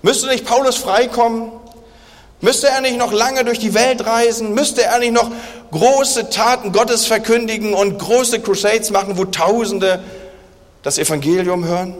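A man preaching a sermon at a church service, asking rhetorical questions and sinking into quiet, intense emphasis. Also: very high-pitched. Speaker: pastor. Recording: long church reverb.

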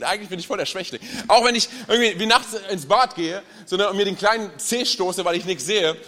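A young man's high, bright voice fills a church with a long hall echo. He preaches as a guest speaker, lively and chatty, throwing jokes at the congregation. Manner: energetic, chatty, tells jokes. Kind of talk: sermon. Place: large church hall with audience.

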